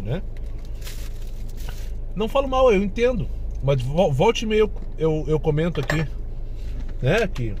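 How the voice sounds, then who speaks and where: A man's voice: sits high, a little hiss or hum. A man with a Rio Grande do Sul accent, a rideshare driver chatting casually and opinionatedly to his viewers from inside his car. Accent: Rio Grande do Sul Portuguese. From southern Brazil. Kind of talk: casual monologue while driving.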